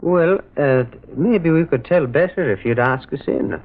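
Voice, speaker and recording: An actor playing a gentle, shrewd priest detective in an old-time radio mystery, wry and curious, musing in a hesitant, folksy way. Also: male voice, a little high, lively intonation, a little slow. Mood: politely probing. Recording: muffled old radio recording.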